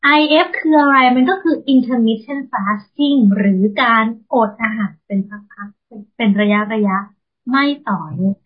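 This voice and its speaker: A woman's voice: a little high, slow pace, breathy edge. A woman co-hosting a radio vocabulary chat, patiently explaining English words and spelling them out, heard through a dull lo-fi radio sound. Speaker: radio co-host.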